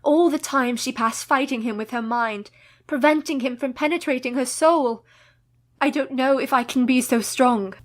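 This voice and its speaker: A woman's voice: sits high, moderate pace, natural voice. A woman playing a grave, resolute young wife. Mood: doubtful. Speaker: actress in radio play. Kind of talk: community radio play acting.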